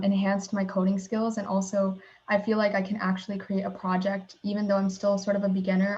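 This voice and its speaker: A woman from the United States, a hackathon participant giving steady, reflective feedback. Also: medium pitch. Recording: dull call audio.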